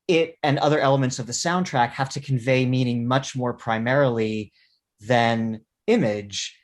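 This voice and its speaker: A man speaking as a panelist in an informal academic discussion, with measured, scholarly phrasing. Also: medium pitch.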